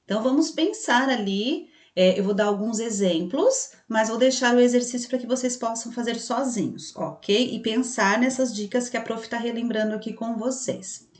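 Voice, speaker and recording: A woman's voice: a little high, moderate pace, hardly any pauses. Patient woman teacher in an echoey room. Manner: patient, explains step by step and asks and answers pupils' questions herself. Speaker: primary school teacher. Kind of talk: online spelling lesson for children. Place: room with a passing truck heard outside.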